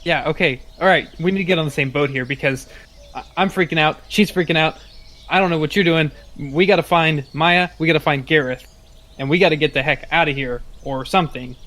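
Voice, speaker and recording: A man with a fairly high voice improvises in character for a tabletop roleplaying show. He comes across as urgent and exasperated. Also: fairly quick, fairly bright tone. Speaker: player in a tabletop roleplaying podcast.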